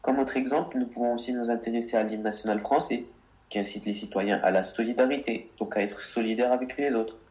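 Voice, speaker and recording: A man's voice: medium pitch, steady tone, fairly quick, darkish tone. A man co-hosting a radio show about words, reading earnest explanations and answering teasing with mock exasperation. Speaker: co-host of a word radio show.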